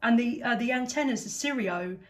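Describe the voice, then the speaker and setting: Woman cb operator, bit high pitched, enthusiastic casual radio chat. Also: fairly quick. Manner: enthusiastic, appreciative. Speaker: CB radio operator, channel host.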